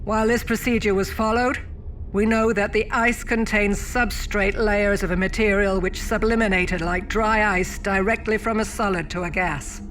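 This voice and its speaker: An actress playing a brisk female mining chief and officer on a spaceship, giving formal log reports in a sci-fi audio drama. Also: mid-range voice, a bit bright, natural voice. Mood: grave, urgent. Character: brisk woman mining chief turned acting captain of spaceship. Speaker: voice actor.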